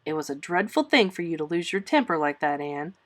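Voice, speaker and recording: A woman's voice: deep voice, very animated, a little fast. A woman voicing a stern, dry elderly spinster guardian in a storybook, scolding firmly in clipped phrases. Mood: severe.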